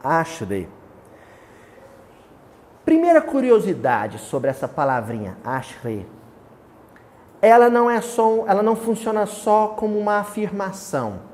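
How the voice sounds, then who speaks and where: A man's voice: high-pitched, very animated, measured pace, pauses often, a little mellow. A man with a Brazilian accent teaching a small study group. He keeps asking the group questions, answers them himself, and declaims the verses he quotes. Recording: reverberant hall with faint hiss.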